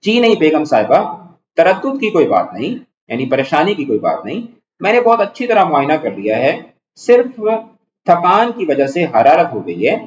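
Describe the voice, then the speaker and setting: A man voicing a calm, polite family doctor as he reads a play aloud in class, formal and reassuring. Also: fairly high pitch. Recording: echoey room, dull lo-fi sound.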